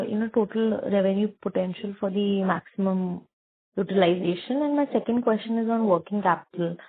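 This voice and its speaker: A woman with an Indian accent and a husky voice, politely and hesitantly asking questions as an analyst. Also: medium pitch. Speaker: analyst questioner on an earnings call. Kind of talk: business question. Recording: muffled narrow phone line.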